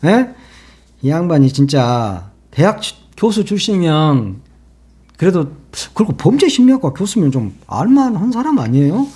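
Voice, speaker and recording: A man's voice: fairly high pitch, big pitch swings, moderate pace, dark tone, husky. A man hosting his own political commentary channel, talking casually in a mocking, sarcastic way and laughing at his own jokes.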